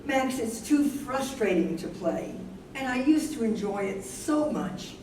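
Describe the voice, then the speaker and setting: A woman's voice: a little high, expressive, measured pace, a little mellow. A woman playing an aging, wistful wife who is losing her memory, in a staged reading. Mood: frustrated, lost. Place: live staged reading in an echoey room. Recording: roomy, distant stage recording with noise.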